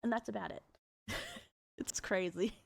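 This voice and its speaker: A woman's voice: medium pitch, unhurried, creaky. A woman with an Australian accent giving casual, rambling streaming commentary.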